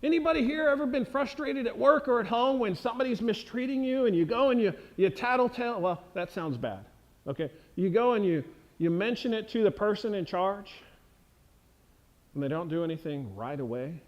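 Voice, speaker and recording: A man's voice: sits high, lively intonation, brisk, muffled recording. A man preaching a sermon in a church, earnest and emphatic, asking the congregation rhetorical questions. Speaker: pastor. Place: church sanctuary.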